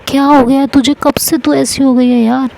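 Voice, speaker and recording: A woman voicing a schoolgirl friend who keeps begging others to calm down and apologizes. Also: high-pitched, normal speed, creaky, pitched above the performer's own voice, low-quality recording. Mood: pleading. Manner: pleading, placating. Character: pleading peacemaking schoolgirl friend Srishti.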